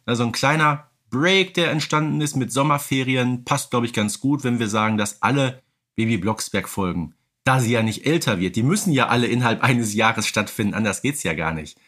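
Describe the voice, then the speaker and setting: A man's voice: mid-range voice, normal speed, fairly bright tone. A man talking in an explanatory, conversational way as co-host of a casual podcast, often adding tag questions.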